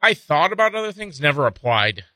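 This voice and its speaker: A man's voice: fairly high pitch, very animated, fairly quick, bright, forceful tone, no room sound. A man in his forties, a pastor and interview guest, answering thoughtfully and a little hesitantly. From San Francisco Bay Area, raised in Indiana. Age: 40s.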